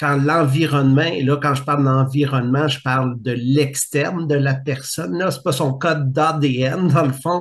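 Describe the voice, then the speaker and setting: In a Quebec accent, a man with a fairly high pitch speaks fairly slowly and somewhat breathily, his intonation fairly even. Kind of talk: interview testimony. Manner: repeats syllables and phrases (echolalia); atypical prosody, rhythm and tone.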